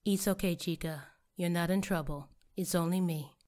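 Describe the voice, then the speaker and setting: A woman's voice: fairly low pitch, normal speed, a little mellow, close to an everyday voice. A woman playing a tough, fiery Latina mechanic, blunt and protective, in an audio story. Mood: gentle. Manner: biting, confrontational. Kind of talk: audio fiction dialogue.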